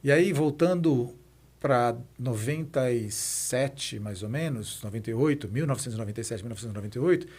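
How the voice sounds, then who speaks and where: A man's voice: medium pitch, brisk, darkish tone, breathy edge. A Brazilian man in his fifties telling his own story as a podcast guest, in a reflective, explanatory way. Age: 50s. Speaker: podcast guest, president of a nonprofit institute. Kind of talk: conversational interview answers, personal storytelling.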